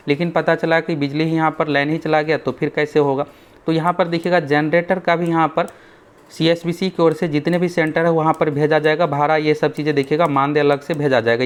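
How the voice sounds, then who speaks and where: Man briefing students on an exam. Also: on the high side. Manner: talks straight to students, keeps repeating "dekhiyega"; pushes his course and app. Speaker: exam coaching teacher. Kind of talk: explainer video on exam updates.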